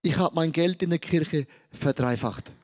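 High-voiced animated male preacher. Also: unhurried. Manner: animated, acts out quotes with shifting pitch and loudness. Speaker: pastor. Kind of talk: energetic sermon storytelling.

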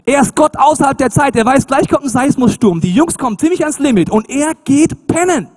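A man with a very high voice preaches a sermon fairly quickly, animated, emphatic and colloquial. He swings between loud emphasis and hushed asides.

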